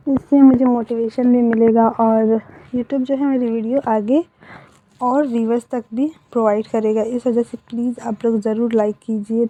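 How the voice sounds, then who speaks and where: Chatty mellow-voiced woman storyteller. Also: fairly high pitch, low-quality recording. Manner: chatty, apologetic asides. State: coughing. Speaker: storyteller and channel host. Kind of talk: casual story narration. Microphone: home voice recording.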